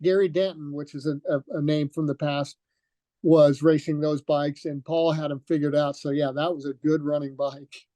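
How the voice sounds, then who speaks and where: Older man reminiscing, mellow and dry. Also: on the high side, level tone, normal speed, no echo. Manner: rambling, many fillers and restarts. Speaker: retired motocross racer, guest. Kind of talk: relaxed reminiscing in an interview.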